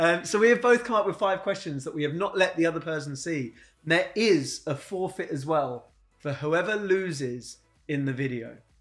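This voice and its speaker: The speaker keeps a moderate pace while faint music plays in the background. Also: man. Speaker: channel host. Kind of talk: casual vlog chat. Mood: playful, laughing. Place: home room. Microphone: camera far.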